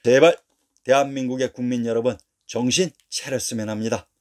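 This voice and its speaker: A man narrating a scripted history lesson in a steady, declarative reading voice, posing rhetorical questions along the way. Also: medium pitch, a little fast.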